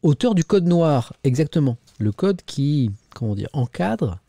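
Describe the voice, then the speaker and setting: A man's voice: a little high, sing-song, a little slow, gravelly, warm tone, no echo. A middle-aged man casually reviewing the morning papers on a live stream, reading editorials aloud and chatting with viewers. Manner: chatty, reads editorials aloud and comments, talks to the chat.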